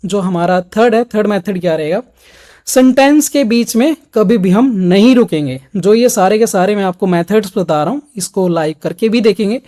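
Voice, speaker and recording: Guy teaching an exam prep lesson, soft mellow tone, talks right to his students step by step. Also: high voice, animated, moderate pace. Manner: explains step by step, speaking straight to students. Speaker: PTE exam coach. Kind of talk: instructional video lesson.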